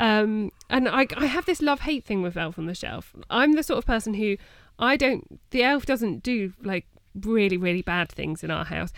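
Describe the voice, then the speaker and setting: The recording is very clean, with a silent background. A woman speaks at a moderate pace in a fairly high pitch with very wide pitch swings. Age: 30s. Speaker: podcast co-host. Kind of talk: casual chat.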